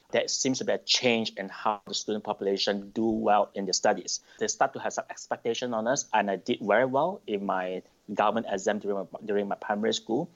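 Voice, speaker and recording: Malaysian man, low voice, muffled sound. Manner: thoughtful, with pauses and restarts. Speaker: podcast guest. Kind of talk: interview answers. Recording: dull lo-fi sound.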